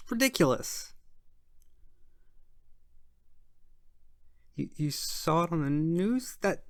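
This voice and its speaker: A performer voicing a shy, flustered IRS auditor in an ASMR roleplay, soft-spoken and hesitant, sometimes slipping into a whisper. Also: mid-range voice, no echo, studio quality, lightly acted. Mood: flustered, defensive. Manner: hesitant, halting, stammering.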